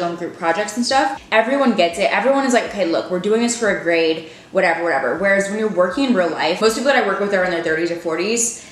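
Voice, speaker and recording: Brief: twenties female vlogger, low-ish voice, loose upbeat chatter, roomy home sound. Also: slight background noise. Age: 20s. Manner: chatty, filler-heavy, upbeat. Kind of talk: casual vlog chat. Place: apartment room at home. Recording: echoey room.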